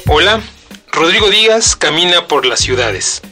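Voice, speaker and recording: A man's voice: on the high side, sing-song, measured pace, bright, forceful tone, faint music behind. A man hosting a podcast, reading an introduction and then chatting in an upbeat way. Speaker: podcast host. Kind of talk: scripted introduction and casual conversation.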